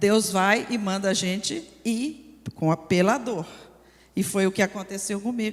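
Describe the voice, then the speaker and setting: A woman speaks in a normal speaking voice at a fairly slow pace. Her pitch is medium, with ordinary variation. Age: 60s. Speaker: missionary preacher. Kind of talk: sermon with personal testimony.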